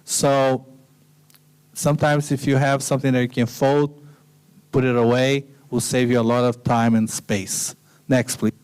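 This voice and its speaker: Man giving a smooth, relaxed slide lecture. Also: mid-range voice, a little slow. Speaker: guest lecturer.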